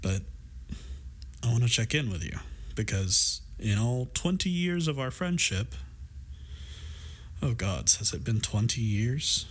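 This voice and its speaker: A man acting in an intimate audio drama as a warm, teasing gay best friend, speaking in a playful, affectionate and reassuring way. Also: mid-range voice, big pitch swings, unhurried, long pauses. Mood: earnest, gentle.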